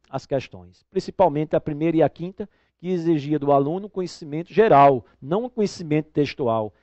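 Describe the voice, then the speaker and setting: A male Portuguese teacher giving an exam-prep video lesson, spelling out word parts slowly and checking in with quick tag questions. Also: fairly high pitch, dark tone, dry recording, muffled recording.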